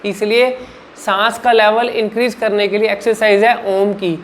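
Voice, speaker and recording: A man coaching viewers on clear speaking, explaining in an emphatic way, asking himself rhetorical questions and answering them, and often checking in with the listener. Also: high-pitched, little pitch movement, moderate pace, a little hiss or hum. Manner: repeats "ठीक है ना" as a check-in. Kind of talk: instructional vlog talk.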